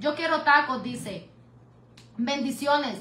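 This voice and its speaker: A woman speaks in a raised, projected voice at a high pitch, with an animated tone. Noticeable background noise sits behind her. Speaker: livestream host. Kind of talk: casual chat. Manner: talkative.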